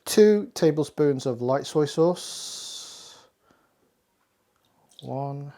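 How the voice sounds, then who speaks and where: A man from a Hakka Chinese family hosts a casual home cooking tutorial, chatting and poking fun at himself as he goes through each step. His voice is on the high side, animated and mellow, and he speaks very slowly.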